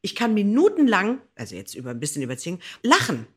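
A woman's voice: mid-range voice, huge pitch swings, fast talker, husky. A woman in a casual podcast chat, explaining and telling anecdotes in a conversational way. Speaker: podcast guest, voice actress.

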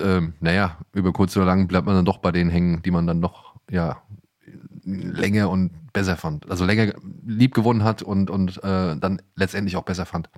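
A man with a fairly low voice chats casually and quickly on a podcast. He rambles along in everyday colloquial language, and the recording is very dry, with no room sound. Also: no room sound. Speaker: podcast co-host. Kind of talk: casual chat.

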